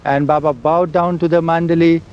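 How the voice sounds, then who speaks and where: An older man, slowly recalling old memories in an oral history interview, with a loud voice. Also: on the high side, flat delivery. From India. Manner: slow, halting storytelling of memories. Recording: dull lo-fi recording with faint hiss and vehicle sounds.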